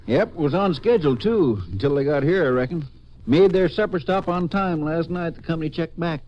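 An actor playing a cooperative, folksy small-town Texas sheriff with an American accent in a 1950s radio western. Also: male voice, on the high side, normal speed, natural voice. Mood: earnest, helpful. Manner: folksy, plainspoken. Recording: muffled old radio recording.

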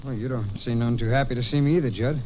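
An actor playing a young prodigal brother in a 1950s radio western, earnest and insistent, with an American Western accent. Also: male voice, medium pitch, fast, close to an everyday voice. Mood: wary. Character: young prodigal cowboy brother, pleading, aggrieved. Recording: muffled, noisy old radio recording.

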